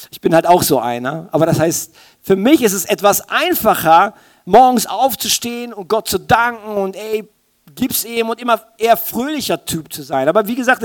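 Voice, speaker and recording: A man preaching a sermon in an informal, colloquial way, animatedly speaking straight to his listeners. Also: high-pitched. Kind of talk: sermon in informal youth language.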